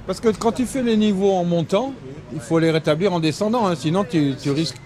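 A man's voice: high-pitched, brisk. A man doing a street interview, bantering and teasing in casual chat. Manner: joking, teasing. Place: outdoors, urban terrace. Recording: outdoor street with crowd.

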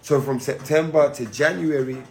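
A man with a hoarse voice giving an easygoing spiritual talk to his listeners, calling them family again and again. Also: mid-range voice, fairly even intonation, moderate pace, darkish tone. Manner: keeps saying "family", easygoing and encouraging. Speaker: spiritual teacher and podcast host. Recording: music playing behind.

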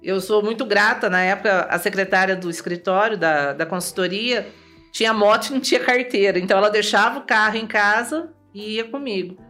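A Brazilian woman as an interview guest, telling a personal story in a lively way, acting out remembered dialogue and often tagging her sentences with "né?". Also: mid-range voice, a little fast, faint music behind. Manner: lively, acts out remembered dialogue, tags lines with "né?".

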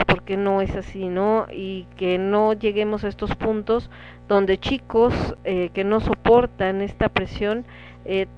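Woman, Mexican Spanish accent, talk show host, casual chat, muffled lo-fi sound, faint background music. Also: medium pitch. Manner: conversational, reads listener comments aloud. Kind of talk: casual opinion talk to listeners.

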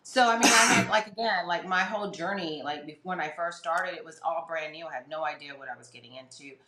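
Middle-aged woman, podcast guest, chatty and rambling, low voice, echoey room. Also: fairly quick, pushed and bright. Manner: chatty, many fillers and restarts. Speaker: podcast guest, fitness competitor. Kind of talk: casual storytelling interview.

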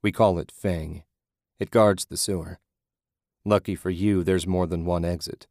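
A calm, grim blind man leading strangers through the tunnels, done by a male narrator. His voice is deep and matter-of-fact. The recording is dry and close. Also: unhurried, creaky, dry recording.

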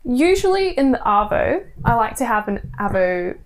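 A woman's voice: fairly high pitch, very animated, normal speed. A woman, an easygoing podcast guest. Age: 20s. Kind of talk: casual podcast chat.

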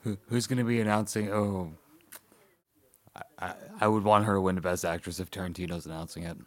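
Deep-voiced, punning podcast co-host. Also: male voice, fairly quick, dry recording. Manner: playful punning, deadpan jokes. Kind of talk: casual live commentary.

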